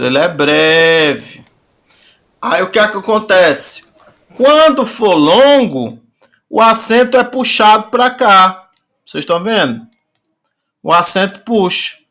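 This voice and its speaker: A male teacher gives an online class, patiently repeating and slowly drawing out words. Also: sits high, expressive, bright, forceful tone.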